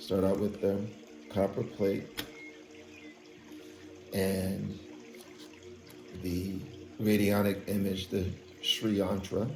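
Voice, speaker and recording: Against noticeable background noise, a man speaks very slowly at a fairly low pitch, flat and monotone, with long, frequent pauses. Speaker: radionics pendulum kit maker. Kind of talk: how-to tutorial narration.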